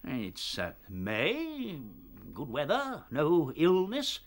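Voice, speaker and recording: Doddering, pompous old rabbit chief. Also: male voice, a little high, wildly swooping pitch, extremely slow, exaggerated voice. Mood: dismissive, dithering. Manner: hesitant, blustering, throat-clearing. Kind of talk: radio drama acting.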